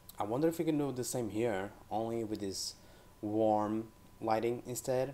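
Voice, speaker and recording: Speaking with a Portuguese accent, a man of medium pitch has a dark, mellow tone and ordinary pitch variation. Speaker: game level designer. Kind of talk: tutorial. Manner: casual, rambling with many fillers.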